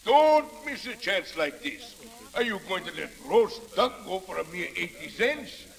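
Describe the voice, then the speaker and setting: A man's voice: high-pitched, big pitch swings, a little slow, creaky, exaggerated voice. A man playing a jovial country auctioneer in an old radio drama, calling bids with chuckling showman patter. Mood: hearty.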